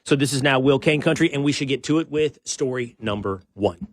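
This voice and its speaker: A middle-aged man hosting a show, talking in a relaxed, rambling way with lots of restarts and joking asides. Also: medium pitch, brisk, no room sound, clean studio sound. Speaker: podcast host. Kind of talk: casual show-opening chat.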